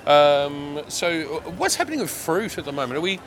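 A man's voice: a little high, very animated, normal speed, fairly bright tone. A man hosting a casual radio chat, enthusiastic and teasing as he talks about food. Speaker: radio host.

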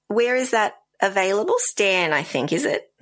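A woman's voice: mid-range voice, sing-song, moderate pace, a bit bright. A woman co-hosting a radio show in casual chat, attentively asking questions with brief interjections. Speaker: radio co-host. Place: radio studio.

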